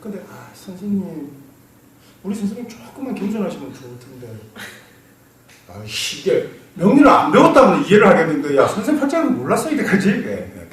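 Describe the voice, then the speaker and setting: A man giving a classroom lecture on fortune-telling, lively and quizzing his students, laughing now and then. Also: sits high, fairly quick. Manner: animated, asks students questions, laughs. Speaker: saju lecturer. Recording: roomy echo, mic far off, faint noise.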